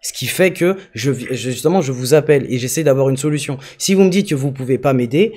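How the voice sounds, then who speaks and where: Quick, mellow-voiced man, politely insistent. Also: mid-range voice, lively intonation. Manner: polite, insistent, hesitant, trying to explain. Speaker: customer calling tech support. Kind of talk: phone conversation.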